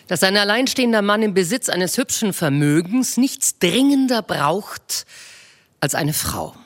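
A woman reading aloud from a classic novel in a lively, expressive manner. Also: mid-range voice. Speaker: reader. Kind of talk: scripted literary reading.

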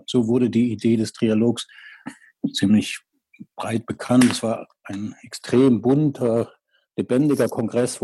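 An older male professor answers an interview, measured and a little hesitant. His voice is mellow and slightly husky, recorded dry and close. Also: medium pitch, no room sound. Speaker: psychiatry professor.

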